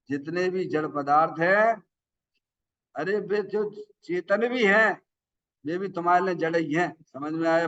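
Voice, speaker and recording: A man's voice: fairly high pitch, fairly bright tone. A man giving a sermon in a folksy, chatty way, often asking the listeners whether they understood. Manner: folksy, asks the audience questions. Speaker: Jain preacher. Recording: dull sound from far off the mic.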